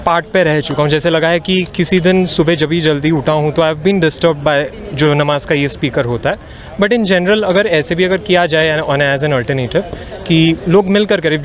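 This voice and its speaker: A man giving a measured, casual opinion in a street interview, mixing in English phrases. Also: fairly high pitch. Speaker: member of the public being interviewed. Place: outdoors on a street.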